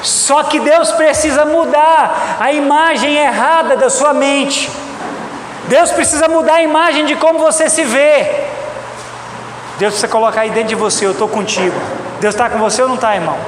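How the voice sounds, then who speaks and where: Speaking at a moderate pace in an extremely high-pitched voice, a Brazilian man preaches emphatically to his congregation, addressing them directly and repeating his points. The recording is from a reverberant church hall with heavy background noise.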